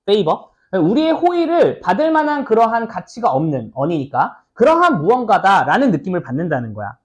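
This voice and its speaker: A man's voice: high voice, huge pitch swings, fairly quick. A man teaching an English exam passage, chatty and casual, often asking his students "right?" and acting out short scenes. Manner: chatty, asks students "right?" often, acts out little skits. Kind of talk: lecture explaining an exam passage.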